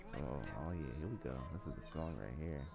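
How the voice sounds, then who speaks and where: A man's voice: very deep voice, animated, normal speed, vocal fry. A man hosting a casual solo podcast, rambling and repeating himself in a stoned way. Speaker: podcast host. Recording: music playing behind the voice. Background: music.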